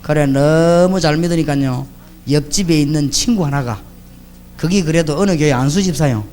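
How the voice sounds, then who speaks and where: A middle-aged man, preaching a sermon as a pastor and telling lively stories in which he acts out the people he quotes. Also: a little high, normal speed. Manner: lively storytelling, acting out the voices of the people he quotes.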